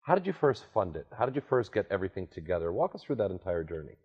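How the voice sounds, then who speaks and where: A man's voice: low-pitched, big pitch swings, quick pace, husky, dull audio. A man hosting an interview show, upbeat and direct, prompting his guest with questions. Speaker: podcast host.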